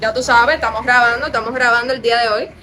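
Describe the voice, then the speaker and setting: A woman's high-pitched voice with a Cuban accent over noticeable background noise. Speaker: YouTuber. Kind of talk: casual vlog talk to camera.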